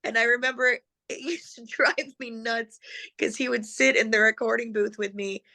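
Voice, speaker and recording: A chatty middle-aged woman with a bright, forceful voice, talking casually as an interview guest. She laughs often between thoughts and gets choked up as she remembers. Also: fairly high pitch, steady tone, normal speed, gravelly. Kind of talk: casual conversation.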